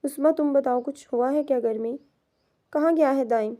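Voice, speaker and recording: A breezy young man full of quick questions, voiced by a woman narrating an audio novel. His voice runs high and mellow, easygoing and anxious by turns. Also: lightly acted. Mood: worried. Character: carefree teasing young man, worried brother-in-law.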